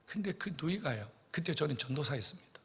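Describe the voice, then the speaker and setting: Dropping to whispers and then exploding loudly, this middle-aged pastor dramatizes a sermon story, addressing the congregation directly again and again and repeating phrases. He talks fast in a fairly high, husky voice with big pitch swings, and the sanctuary adds a long church reverb.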